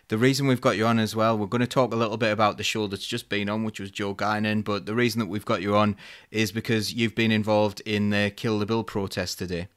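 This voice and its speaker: A man's voice: fairly low pitch, fairly bright tone. A man hosting a live talk show, chatty and self-deprecating, with many fillers and restarts. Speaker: host.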